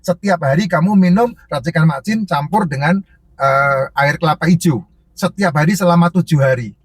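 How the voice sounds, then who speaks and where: A man's voice: on the high side, normal speed, slightly rough, no room sound. A man who sells herbal drinks, answering viewer questions in casual, emphatic, repetitive advice that lists point after point.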